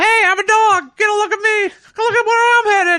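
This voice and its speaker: A put-on character voice is pitched extremely high. It moves at a moderate pace. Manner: cheeky, jokey.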